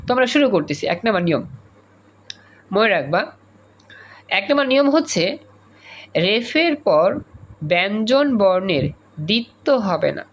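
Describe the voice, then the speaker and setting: A man's voice: sits high, sing-song, normal speed, pauses often, a bit bright, lo-fi sound. A male teacher, teaching an online class over a video call and drilling students with repeated questions and examples. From Bangladesh.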